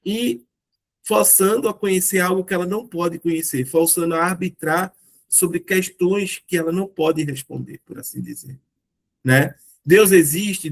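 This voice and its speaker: A Brazilian man hosting a casual philosophy discussion, explaining ideas with rhetorical questions and frequent tag questions. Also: on the high side. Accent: Brazilian Portuguese. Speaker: discussion group host.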